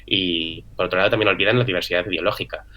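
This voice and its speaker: A man's voice: deep voice, steady tone, fast, lo-fi sound. A young man from the Canary Islands, speaking in an interview and arguing his views earnestly, with many fillers and tag questions. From Canary Islands, Spain. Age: young adult. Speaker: interview guest. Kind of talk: political interview answer.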